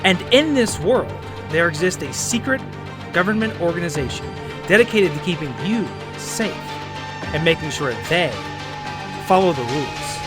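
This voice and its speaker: A man delivering dramatic scripted narration as the intro to a show. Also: fairly high pitch. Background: music.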